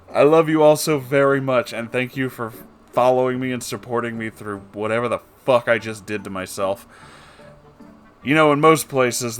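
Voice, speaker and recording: A man talks casually and at a rambling ease to his viewers as the host of a reading show. His delivery is theatrical and wry, self-deprecating and sweary, at a middling pitch. Soft plucked guitar music plays behind him.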